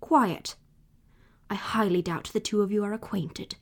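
A woman's voice: medium pitch, steady tone, a little slow. An actress playing a prickly, guarded reclusive woman novelist in an audio drama, speaking formally and precisely. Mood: icy, irritated. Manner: formal, clipped, sardonic, precise.

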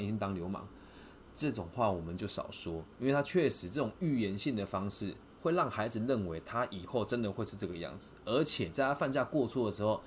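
Fast, animated Taiwanese-accented man. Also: on the low side, a little hiss or hum. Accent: Taiwanese Mandarin. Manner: lively, asks listeners rhetorical questions. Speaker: podcast host. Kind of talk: casual storytelling monologue.

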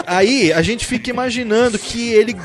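A man hosting a podcast in casual chat, joking and teasing in an animated way. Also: very high-pitched. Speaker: podcast host.

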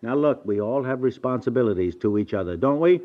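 Animated, scolding American husband on old radio , played by a male actor. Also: medium pitch, a little fast, natural voice. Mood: lecturing. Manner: scolding, emphatic, stammers when flustered. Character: exasperated lecturing husband, a businessman, stubborn but affectionate. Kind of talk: 1950s radio domestic comedy acting. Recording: dull band-limited 1950s radio recording.

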